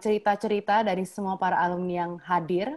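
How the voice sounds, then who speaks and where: In a normal speaking voice, a woman talks at a fairly quick pace with a medium pitch and fairly even intonation. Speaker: moderator, school alumnus. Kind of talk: panel discussion moderation. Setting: video call.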